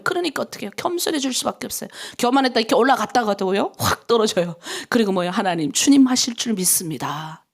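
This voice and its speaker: A high, gravelly voice with vocal fry belongs to a middle-aged North Korean woman pastor delivering a dawn prayer sermon. Her fervent preaching moves between quiet whispers and imploring cries.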